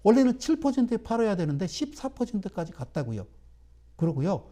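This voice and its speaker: A man's voice: sits high, big pitch swings, a little fast, warm tone. A middle-aged man giving a broadcast trading lecture, emphatic and firing rhetorical questions at his viewers.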